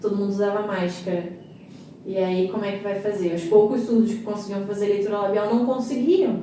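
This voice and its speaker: A woman's medium-pitched voice, fairly quick and fairly even in intonation, with noticeable background noise and audible room echo. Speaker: labor lawyer and sign language interpreter. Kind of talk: podcast interview. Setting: studio.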